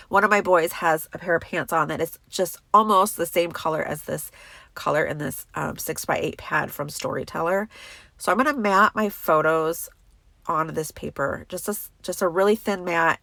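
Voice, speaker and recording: A woman's voice: fairly low pitch, vocal fry, fairly bright tone, dry recording. A woman with a stuffy, congested voice, chatting enthusiastically through a crafting tutorial voice-over. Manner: chatty and enthusiastic, many fillers.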